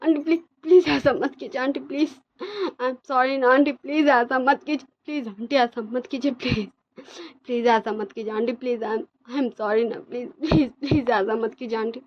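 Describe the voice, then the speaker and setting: A woman's voice: high voice, steady tone, moderate pace, lo-fi sound. A woman voicing a terrified young man who begs and repeats his pleas through tears, in a spoken fan story. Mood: sobbing pleading.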